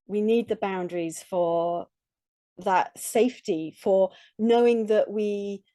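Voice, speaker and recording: A middle-aged woman, a relationship coach, speaking earnestly and reflectively in short halting phrases with restarts. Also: medium pitch, no echo, studio quality. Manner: earnest, reflective, with frequent soft laughs. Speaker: relationship coach, podcast guest. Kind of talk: conversational interview.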